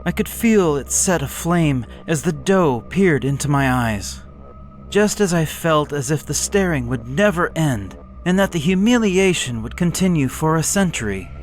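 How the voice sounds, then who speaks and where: A man slowly reading a gothic horror story aloud in a measured, somber way. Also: on the high side, lively intonation, soft background music. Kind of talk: scripted horror narration. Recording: hissy background noise.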